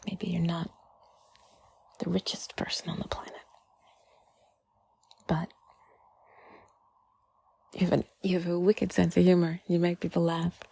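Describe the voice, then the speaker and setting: A woman giving intimate whispered comfort talk, soothing and gently reassuring, in a breathy, husky whisper with drawn-out pauses. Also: on the low side, monotone. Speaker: audio creator speaking to the listener.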